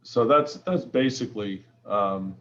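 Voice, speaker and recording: A man with a Boston-area accent speaking at a town commission meeting, halting with many fillers. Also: lowish voice, a bit bright. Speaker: commission member. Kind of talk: casual meeting talk. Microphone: video call. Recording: muffled video call audio.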